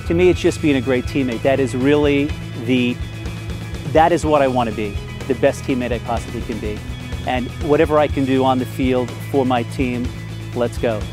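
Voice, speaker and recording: The voice carries an American accent and sounds dry, with no echo. Clear music plays in the background. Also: man, ordinary pitch variation. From Long Island, New York. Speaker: semi-pro football player, sports promoter. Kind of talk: interview answer. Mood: proud, slightly emotional. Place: stadium.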